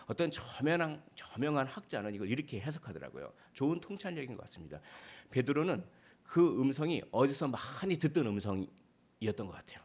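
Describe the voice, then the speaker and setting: A man's voice: medium pitch, fairly quick. A male pastor delivering a sermon, asking rhetorical questions and explaining scripture. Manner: animated preaching with rhetorical questions. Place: church sanctuary.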